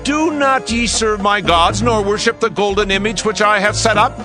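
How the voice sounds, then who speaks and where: A man's voice: high voice, normal speed, music in the background, lightly acted. A man playing a proud, wrathful ancient king, imperious and menacing, in a dramatized scripture production. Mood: imperious, threatening. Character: proud, wrathful Babylonian king threatening captives.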